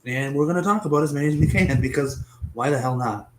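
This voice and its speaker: A man's voice: fairly high pitch, quick pace, background noise. A young man hosting a casual online mystery show, chatty and a bit profane, stumbling over names, with a cough and a partly lost voice. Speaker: host. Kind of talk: casual web show narration.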